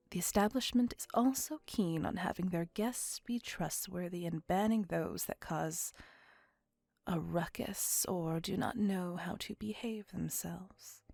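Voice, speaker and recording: A possessive, centuries-old vampire woman, as a woman voices her murmurs in a breathy, gravelly whisper, slow and unhurried. Her phrasing is formal and old-fashioned, close and dry on the mic, with soft music far behind. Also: on the low side, no room sound, exaggerated voice. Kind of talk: ASMR roleplay. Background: faint music.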